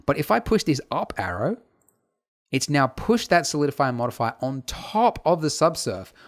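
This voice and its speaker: A man teaching a casual software tutorial over his screen, chatty and full of fillers and asides. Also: mid-range voice. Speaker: tutorial instructor.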